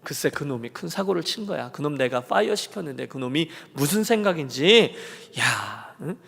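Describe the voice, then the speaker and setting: A man voicing a wealthy older master who grumbles low, then wryly lets things go. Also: lively intonation, normal speed, gravelly, a bit bright, breathy edge, full character voice. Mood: irritated. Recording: long church reverb.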